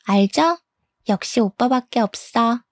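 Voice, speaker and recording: A woman's voice: a little high, lively intonation, measured pace, no room sound, clean studio sound. A woman doing a coy, clingy young mistress.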